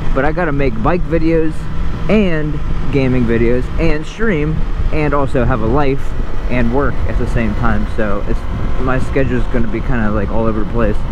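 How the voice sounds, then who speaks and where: Over noticeable background noise, a man talks at a moderate pace, the sound dry with no echo. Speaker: motovlogger. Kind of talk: casual vlog chat. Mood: upbeat, playful. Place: motorbike. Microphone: helmet.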